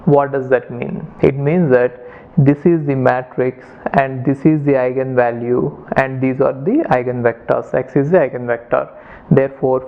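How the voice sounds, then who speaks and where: A man's voice: mid-range voice, creaky. A man with an Indian accent giving an explanatory lesson as a lecturer, going step by step, repeating points and checking that listeners follow. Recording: narrow, phone-like lo-fi lecture audio.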